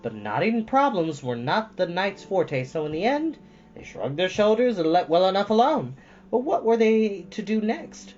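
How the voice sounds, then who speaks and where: A man reading a storybook aloud as host, with expressive, deliberately stressed phrasing. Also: sits high. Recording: dull lo-fi sound with music behind.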